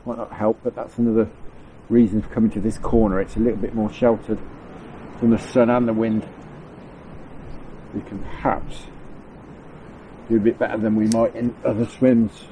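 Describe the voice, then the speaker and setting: A man's voice: on the low side, level tone, normal speed, pauses often, dark tone, low-quality recording. Congested man chatting on a windy riverbank. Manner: chatty, rambling, chuckles often. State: congested from a cold, nasal. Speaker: angling vlogger. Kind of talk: casual on-the-spot commentary. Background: faint wind noise.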